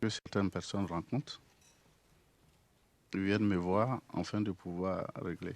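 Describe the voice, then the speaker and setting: A man with a fairly low pitch and fairly even intonation speaks at a fairly slow pace with long, frequent pauses, in a dry, close sound with no echo. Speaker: trial witness, neighborhood chief. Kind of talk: witness testimony. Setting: courtroom.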